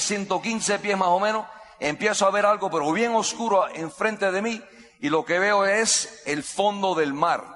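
Bright high-voiced man, echoey hall. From United States. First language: English. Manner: repeats key phrases, vivid gestures, builds suspense. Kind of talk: dramatic storytelling speech.

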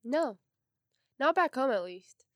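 A young woman from Palestine talking as a guest on a casual podcast. She speaks in a relaxed, easygoing way. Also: high-pitched, slow, no room sound.

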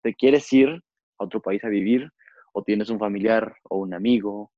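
A man's voice: fairly low pitch, normal speed, no echo. Young mexican guy hosting a podcast, rambly and chatty, dry dull sound. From Zacatecas, Mexico. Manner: chatty, rambling with many fillers. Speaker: podcast host. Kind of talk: casual podcast chat.

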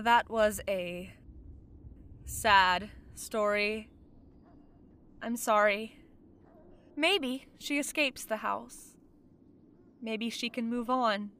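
A woman voicing a lonely, halting ghost. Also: mid-range voice, fairly bright tone, clear, resonant tone. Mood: sad. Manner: wistful, halting, trailing off into repeats. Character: lonely amnesiac female ghost trapped in a house. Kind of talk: audio drama monologue.

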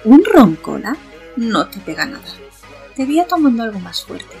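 Woman acting sultry teasing flirt, husky and creaky, audio drama, faint music behind. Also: a little high, very animated, moderate pace, darkish tone. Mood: teasing, forward. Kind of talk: audio fiction dialogue.

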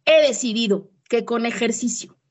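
A woman's voice: fairly high pitch, normal speed. A woman with a Mexican accent hosting a podcast, talking in a slangy, playful way with voiced quotes. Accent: Mexican Spanish. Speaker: podcast host and therapist. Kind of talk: casual podcast chat.

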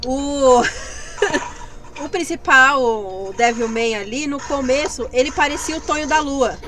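A woman co-hosting a casual livestream in Brazilian Portuguese, talkative and quick to giggle. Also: high-pitched, fairly bright tone, a little hiss or hum. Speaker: co-host. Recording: stream audio with clear music behind.

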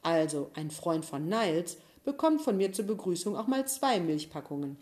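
A friendly school cafeteria lady, as a reader puts her on, in a low, everyday voice. She sounds kind and welcoming. It is a storybook voice. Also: very animated, normal speed, darkish tone.

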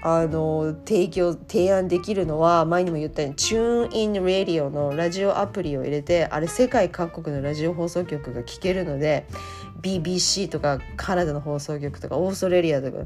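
A woman's voice: low voice, fairly quick, a little mellow, faint music behind. A woman hosting a casual talk show, chatty with frequent fillers and laughter. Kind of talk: casual chat.

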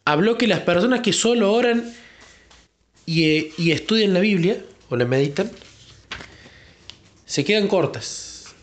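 A man giving an earnest, reflective personal faith testimony, sometimes pausing to search for words. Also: high-pitched, lively intonation. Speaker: church member giving testimony.

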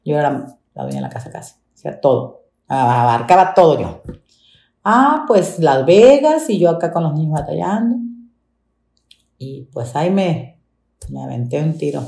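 Speaking at a moderate pace in a deep voice with vocal fry, a Mexican woman who works as a domestic worker recounts her story in an interview. She retells it with animation, performing the dialogue she quotes, and the room echoes noticeably.

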